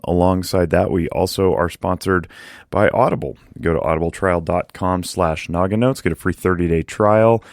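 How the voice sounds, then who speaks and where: A man's voice: deep voice, dry recording, studio quality. A man hosting a podcast interview, chatty and rambling, laughing easily as he talks. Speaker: podcast host. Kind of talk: casual interview chat.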